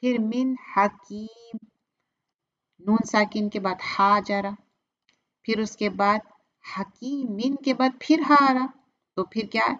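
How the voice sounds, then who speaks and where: A woman teaching recitation rules, patiently repeating each example slowly and clearly. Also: on the high side, steady tone, fairly bright tone, highs cut off. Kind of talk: step-by-step tajweed lesson.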